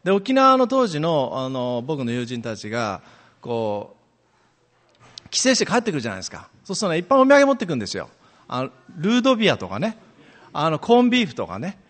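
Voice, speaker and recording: Middle-aged male guest preacher from Amami Oshima, animated and chatty, lively sliding pitch, in a reverberant church. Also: quick pace. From Amami Oshima, Japan. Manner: chatty, animated storytelling with many fillers. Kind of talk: sermon with personal stories. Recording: long reverb of a church hall.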